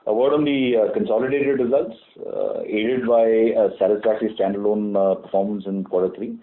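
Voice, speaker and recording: Over a narrow, muffled phone line, a man presents company results. He is formal and measured in wording, but halting, often filling gaps with uh as he reports. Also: on the low side, steady tone. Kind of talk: prepared business report on a conference call. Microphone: telephone conference call.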